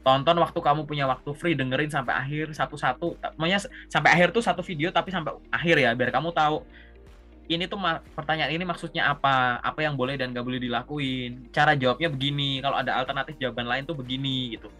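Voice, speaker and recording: Bright-voiced man coaching in casual talk. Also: fairly high pitch, quick pace, faint music behind. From Java, Indonesia. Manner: conversational, repeats "gitu" and checks understanding with questions. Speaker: career coach. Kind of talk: coaching session on a video call. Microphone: video call.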